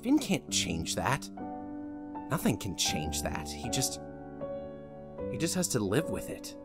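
A man's voice: medium pitch, wildly swooping pitch, takes it slowly, over loud music, pitched below the performer's own voice. A man playing a weary, earnestly melancholy writer in a cartoon sketch. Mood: somber, resigned.

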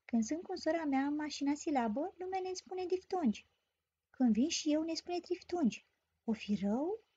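A woman teaching a grammar lesson as a story, explaining clearly and patiently. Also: high voice, animated, warm tone. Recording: dull lo-fi recording.

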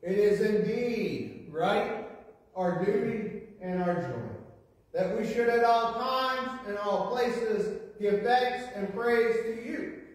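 A man presiding at a church service, leading a solemn liturgical prayer in a measured, partly chanted intonation. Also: high voice. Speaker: presiding minister. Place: large church sanctuary. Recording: echoey church from far off.

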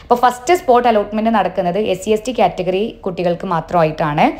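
A woman giving an informational update in a voice-over, brisk and instructive, with frequent filler sounds. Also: medium pitch, a little mellow. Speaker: education vlogger. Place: voice-over, not seen.

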